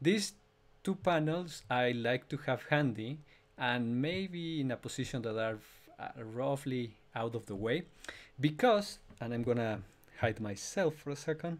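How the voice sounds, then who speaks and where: The intonation is lively while the pace stays fairly slow. Long, frequent pauses break up the speech. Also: man. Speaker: instructor. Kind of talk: tutorial. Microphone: studio mic.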